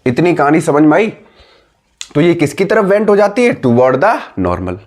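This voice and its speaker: A man teaching a physics lesson to schoolchildren, asking them questions, repeating key terms and dictating notes slowly. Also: fairly high pitch, very animated. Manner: calls students "बेटा", "बच्चों". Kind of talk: classroom lesson.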